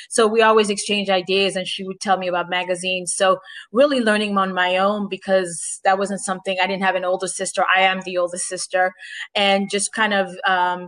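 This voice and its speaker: A woman's voice: medium pitch, fairly bright tone. A woman from Haiti who grew up in Boston, a former broadcaster, speaking reflectively in an interview with many restarts. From Haiti, raised in Boston. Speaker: interview guest, former broadcaster and makeup artist. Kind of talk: conversational interview.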